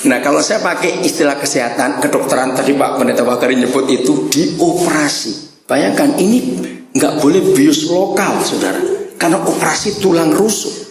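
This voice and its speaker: A man preaching a humorous sermon, quizzing his congregation in an animated way. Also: fairly high pitch, moderate pace. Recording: echoey hall with long reverb.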